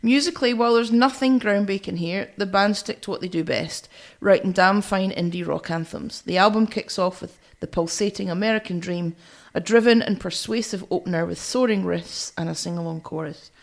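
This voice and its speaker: A woman's voice: mid-range voice, brisk, vocal fry, hardly any pauses. A woman co-hosting a music podcast, chatting and reviewing in a blunt, teasing way with some swearing. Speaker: podcast co-host.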